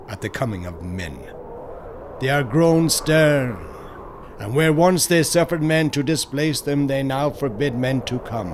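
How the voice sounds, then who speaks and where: A medium-pitched man reads a scripted horror audiobook, solemn and measured, using dramatic pauses and letting phrases fall away at the end. A little hiss or hum sits under the recording.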